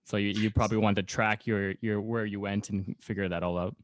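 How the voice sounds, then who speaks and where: A man's voice: lowish voice, steady tone, fairly quick, no room sound. A man co-hosting a podcast, asking casual, rambling questions in an informal way. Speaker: podcast co-host. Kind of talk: casual conversational interviewing.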